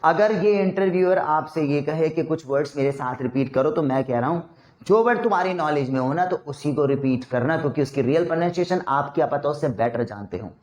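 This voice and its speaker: A man's voice: on the high side, lively intonation, fairly quick, darkish tone. A young man with an Indian accent giving a casual spoken lesson on job interviews, acting out both sides of the exchanges. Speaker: interview trainer.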